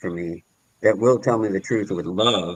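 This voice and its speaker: A man with a plain, everyday voice and a fairly low pitch. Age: 60s. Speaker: support group member. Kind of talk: group discussion testimony.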